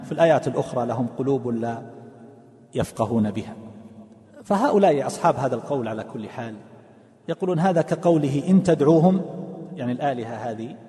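Arabic scholar teaching in a reverberant hall. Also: male voice, mid-range voice, lively intonation, mellow. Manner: explanatory, asks the class questions, reads quotes slowly. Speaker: Quran tafsir teacher. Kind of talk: religious lesson explaining scripture.

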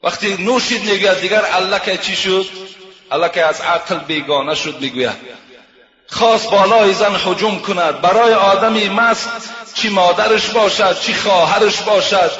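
High, bright-voiced male preacher, echoey hall. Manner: retells tales, repeating "he says" often. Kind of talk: sermon with storytelling. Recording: echoey hall with long reverb, dull lo-fi sound.

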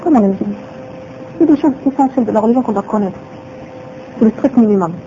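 A woman's voice: fairly high pitch, fast, mellow, a little hiss or hum. A woman teaching a religious lesson who repeats her phrases and asks rhetorical questions, on a dull lo-fi recording.

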